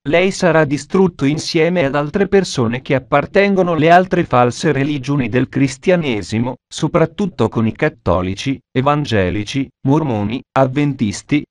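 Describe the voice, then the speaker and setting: A man voicing a pushy door-to-door preacher in a dubbed parody, talking in an insistent, earnest sales pitch. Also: dry recording, clean studio sound, close to an everyday voice. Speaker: doorstep preacher.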